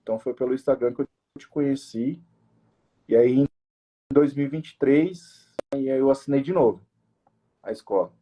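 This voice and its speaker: A young man who runs a family restaurant tells his story as an interview guest, his medium-pitched, dark-toned voice at normal speed with frequent pauses. He speaks casually and emotionally, restarting often and quoting his own self-talk.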